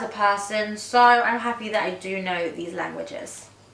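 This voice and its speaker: Amid noticeable background noise and audible room echo, a woman with fairly high pitch speaks at a moderate pace with ordinary pitch variation. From UK. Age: 20s. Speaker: beauty YouTuber. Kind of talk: casual Q&A vlog. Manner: casual chatty.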